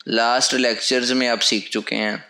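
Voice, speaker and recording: A man's voice: medium pitch, level tone, moderate pace, pushed and bright. A man teaching a lesson at a whiteboard. He explains patiently, step by step, and repeats his key phrases. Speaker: language teacher. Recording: echoey room.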